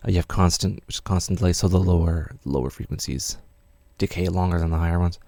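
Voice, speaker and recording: A man's voice: low-pitched, fast talker, darkish tone, no echo. A man teaching music production in a casual, rambling tutorial with many fillers.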